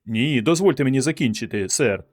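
A man voicing an earnest, excitable young doctor who speaks with fervent conviction. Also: medium pitch, a little fast, natural voice. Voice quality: fervent, emphatic.

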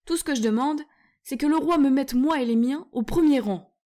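A tiny, brave storybook mouse with a squeaky, piping voice, as a woman reads him aloud. He pipes up boldly and eagerly, his shrill little voice pushed high and loud. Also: moderate pace, close to an everyday voice.

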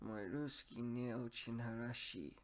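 A man whose first language is English practises speaking, slowly and haltingly, repeating words at his computer. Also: medium pitch, a little hiss or hum. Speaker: language learner.

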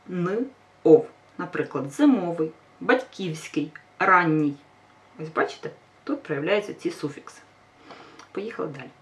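A woman teacher giving a grammar lesson, patient and reassuring, stressing each example word. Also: fairly low pitch. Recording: voice a bit far from mic.

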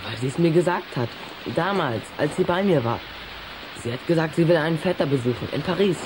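A man playing an earnest, loyal, quick-witted boy in a children's radio play, sometimes hesitant. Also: on the high side, animated, background noise, natural voice. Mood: bluffing. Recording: clear background rain ambience.

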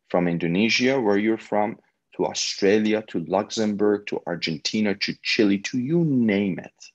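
Man, native Farsi speaker, husky gravelly voice, motivational guest speaker, muffled video-call sound. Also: fairly low pitch. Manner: energetic and motivational, with frequent restarts. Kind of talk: encouraging talk to students on a video call.

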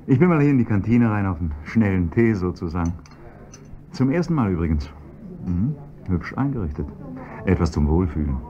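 A man's voice: sits low, big pitch swings, brisk, mellow. An actor playing a polite, ingratiating and evasive male chauffeur in a radio drama. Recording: dull lo-fi recording, faint hiss.

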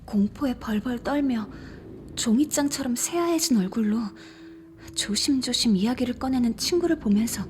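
An actress playing a frightened young woman who recounts a ghost story in an intimate, suspenseful audio drama style, conversational and at times hushed. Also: on the high side, animated, normal speed, a little hiss or hum, natural voice. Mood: hushed, uneasy. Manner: conversational, suspenseful, drops toward hushed whispers. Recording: background music under the voice.

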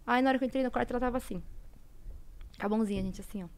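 A woman in her thirties with a Brazilian Portuguese accent, a podcast guest telling a personal story in a conversational way, often dropping to soft, hushed tones. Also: on the high side, racing, slight background noise.

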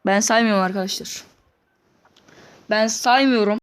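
A woman's voice: mid-range voice, moderate pace, clear, resonant tone. A woman reacting live as she plays a football video game, scolding and exasperated with the players. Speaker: gamer.

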